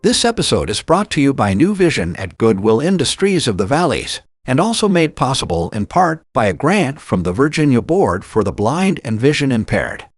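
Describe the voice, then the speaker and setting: A man's voice: medium pitch, big pitch swings, moderate pace, few pauses, husky, dry recording. A man reading scripted sponsor credits as a formal announcer.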